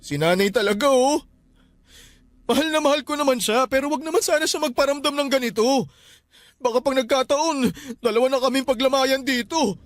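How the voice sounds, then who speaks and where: A man's voice: extremely high pitch, a little fast, no room sound, clean studio sound. An actor playing a grieving young man who is frightened by his mother's ghost, with emotional radio-drama delivery. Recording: soft music underneath.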